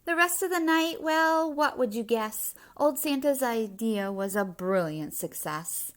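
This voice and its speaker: Slow-paced woman reading a children's story aloud. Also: on the high side. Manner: animated, emphatic rhyming delivery. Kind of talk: expressive children's read-aloud with explanatory asides.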